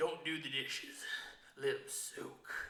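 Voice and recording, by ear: A man's raspy, put-on character voice with audible echo.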